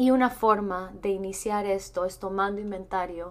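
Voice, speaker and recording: This woman's intonation is monotone and flat. She speaks at a fairly slow pace. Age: 30s. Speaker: podcast host. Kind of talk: solo reflective monologue.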